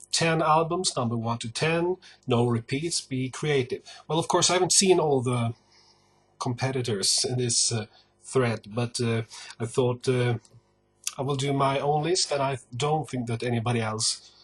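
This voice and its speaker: In a medium-pitched voice with a breathy edge, a man from the north of Sweden speaks with a Swedish accent about his record collection. His casual talk to camera is slow and hesitant, full of pauses.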